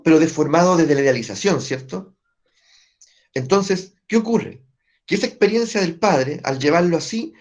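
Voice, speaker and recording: A man teaching family constellations to a group, explaining step by step and often checking in with his listeners through quick tag questions. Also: on the high side, a little mellow. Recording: dull lo-fi recording.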